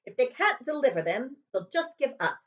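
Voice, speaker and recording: A woman's voice: high-pitched, big pitch swings, moderate pace, highs cut off, pitched above the performer's own voice. Woman putting on a blustering, bossy storybook uncle. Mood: smug, stubborn. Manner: emphatic, exclaiming, bossy. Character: blustering, angry middle-aged uncle, stubborn and domineering. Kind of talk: children's storybook read-aloud.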